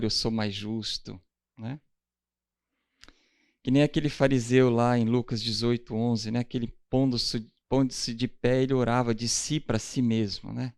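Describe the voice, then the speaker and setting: A man's voice: mid-range voice, gravelly, a little mellow, dry recording, studio quality. A man with a Brazilian Portuguese accent teaching a Bible class in a conversational way, often checking in with his listeners. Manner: conversational, often adds the tag question "né?"; asks the class questions directly.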